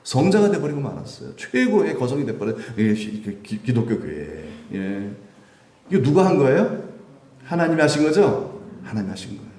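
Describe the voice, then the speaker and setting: A man's voice: mid-range voice, sing-song, moderate pace, warm tone. A man preaching a Sunday sermon as pastor, with many rhetorical questions to the congregation. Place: church sanctuary. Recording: roomy church echo, mic at a distance.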